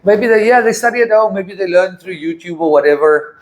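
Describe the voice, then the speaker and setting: A man with a South African accent teaches an English class in a casual way, patiently checking in with his students through frequent questions. His voice sits high with lively intonation and moves a little fast, with a little hiss or hum in the background.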